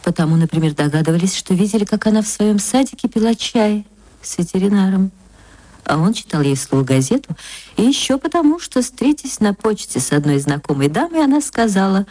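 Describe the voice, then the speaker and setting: A woman narrating a classic story for radio in a measured, expressive way, on an archival recording. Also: medium pitch, dry recording. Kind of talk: literary reading for radio.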